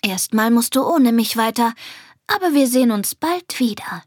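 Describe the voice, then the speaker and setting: A woman voicing a playful, purring little butterfly-puppy creature in a storybook reading, with a slightly breathy voice. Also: a little high, lively intonation, moderate pace, no echo, studio quality. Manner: purring, cheeky.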